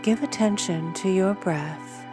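Slow, soothing woman guiding meditation. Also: medium pitch, music in the background. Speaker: meditation guide. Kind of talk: guided meditation.

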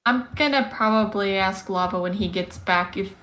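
A woman's voice: mid-range voice, moderate pace, a bit bright, a little hiss or hum. A woman playing a tabletop game, talking casually with the group.

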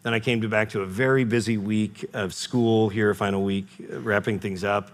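Male pastor, lowish register, earnest sermon delivery with self-corrections. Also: fairly even intonation, normal speed.

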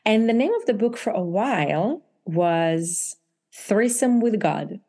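A woman from Israel with an Israeli accent, an author talking animatedly about her book in an interview, often laughing and jumping higher for emphasis. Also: animated, slow, warm tone. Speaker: author guest. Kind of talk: interview chat.

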